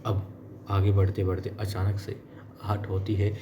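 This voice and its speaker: A man's voice: low-pitched, completely flat delivery, a little slow, noisy background. A man casually retelling a TV serial episode, chatty, speaking to viewers as friends and acting out the characters' lines. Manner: chatty, addresses viewers as friends, acts out quotes. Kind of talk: casual storytelling recap.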